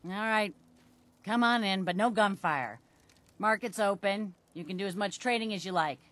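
A woman's voice: medium pitch, moderate pace, a bit bright, lightly acted. A woman playing a stern, weary middle-aged gatekeeper in a video game, blunt and no-nonsense. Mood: stern, businesslike. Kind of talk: video game dialogue acting.

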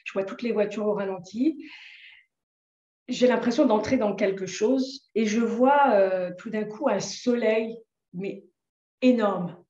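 A woman telling her own story in a personal testimony, with many pauses and restarts. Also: medium pitch, warm tone, roomy sound, muffled recording. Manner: hesitant, many fillers and restarts. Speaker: interviewee sharing a personal story.

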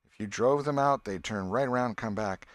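A man's voice: mid-range voice, a little fast, no echo, voice pushed up, close to an everyday voice. A man reading an audiobook, voicing an eager, bossy boy who leads a gang and lectures his friend. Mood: eager, lecturing. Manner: excited, bossy, know-it-all. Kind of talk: audiobook character voice.

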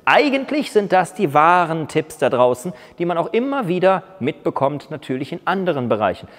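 Animated man ranting in a gym. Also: on the high side. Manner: emphatic, argumentative, lively gestures. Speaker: fitness YouTuber. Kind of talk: opinionated monologue to camera. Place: large indoor gym. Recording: long reverb in a big gym hall.

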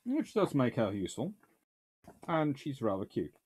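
A British man in his thirties, a naval historian host, chats casually from a book-lined home study, reviewing books and answering questions with dry, wry asides and sudden bursts of enthusiasm. He speaks British English in a medium-pitched, sing-song voice at normal speed, with a darkish, husky tone.

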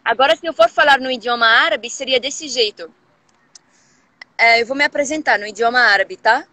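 A woman's voice: fairly high pitch, fairly quick, sharp tone, dry recording. A woman from Morocco with a Moroccan accent, a language teacher chatting casually as a guest, often restarting her sentences. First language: Moroccan Arabic. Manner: speaks with many restarts and small hesitations. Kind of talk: casual live chat.

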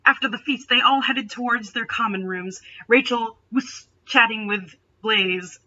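A woman's voice: on the high side, measured pace, sharp tone, highs cut off, slight background noise. A young adult woman reading a story aloud with dramatic delivery and sarcastic, mocking asides. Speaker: host reading fan fiction aloud. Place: small bedroom, indoors.

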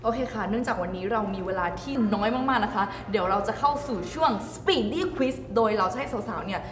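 A young woman presenting a promotional interview in an animated, giggly manner as host and interpreter. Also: on the high side, a little fast, crowd noise. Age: young adult. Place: indoor studio set, seated. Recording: roomy reverberant studio, music behind.

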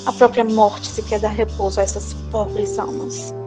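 A woman's voice: mid-range voice, little pitch movement, moderate pace, natural voice. Woman acting a solemn Brazilian prophetess, music behind. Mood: grave. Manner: solemn, declamatory.

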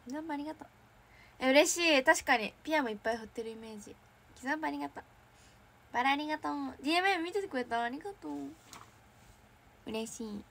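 A woman's voice: high-pitched, lively intonation, rapid-fire, pauses often, a bit bright. Bubbly young woman chatting on a livestream. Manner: bubbly, chatty, frequent giggles. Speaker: idol trainee hosting a fan livestream. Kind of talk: casual livestream chat reading viewer comments.

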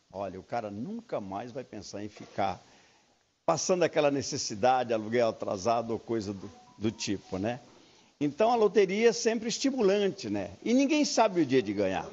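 A man's voice: fairly high pitch, darkish tone. An older man, president of a lottery federation, chatting upbeat and folksy in a live TV interview inside a busy lottery shop, into a handheld mic. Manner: folksy, upbeat salesman talk. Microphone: handheld reporter mic. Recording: muffled broadcast field audio.

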